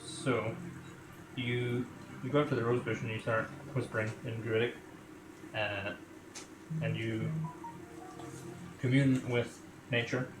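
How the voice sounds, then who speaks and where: A man's voice: mid-range voice, steady tone, slow pace, long pauses, noisy background. A man narrating a tabletop game off the cuff as game master. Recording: echoey room, music underneath.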